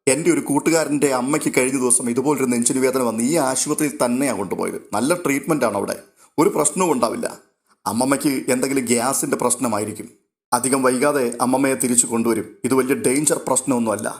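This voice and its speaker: A man voicing a young son who soothes his mother in a steady, reassuring way. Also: medium pitch, quick pace, close to an everyday voice.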